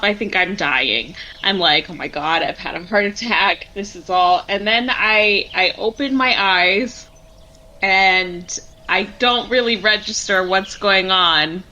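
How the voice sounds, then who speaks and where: A woman's voice: medium pitch, pushed and bright. A woman casually improvising her character's thoughts in a tabletop roleplaying game, acting out the reactions. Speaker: player in a tabletop roleplaying podcast.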